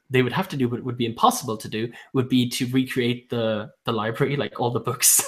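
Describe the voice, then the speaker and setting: A man's voice: medium pitch, fairly quick. Man hosting a casual book livestream. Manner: hesitant, many ums and restarts; laughs often while talking. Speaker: booktube host. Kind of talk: casual live-stream book chat.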